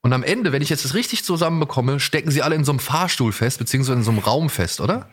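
A male podcast host talks in a loose, conversational way at a middle pitch. He is enthusiastic and rambles, often doubling back to rephrase what he has begun. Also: lively intonation, rapid-fire, slightly rough. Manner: enthusiastic, rambling, self-correcting. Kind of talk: casual podcast chat about audio dramas.

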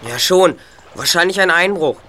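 High-voiced teenage boy. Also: normal speed, bright, forceful tone, slight background noise. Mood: polite, wary. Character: teenage boy detective, polite but wary. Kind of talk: German youth audio drama acting.

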